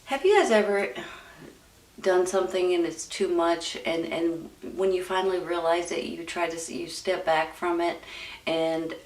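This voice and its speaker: Low creaky-voiced woman, roomy distant sound. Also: moderate pace, darkish tone. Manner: informal, addresses viewers as "you guys", seeks agreement. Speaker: tarot reader and host. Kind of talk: casual conversational tarot reading to viewers. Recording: roomy echo, distant from the mic.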